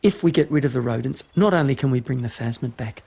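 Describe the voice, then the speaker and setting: Man, gravelly voice, husky tone, earnest documentary interview, passionate about conservation. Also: mid-range voice, fast talker, a little mellow.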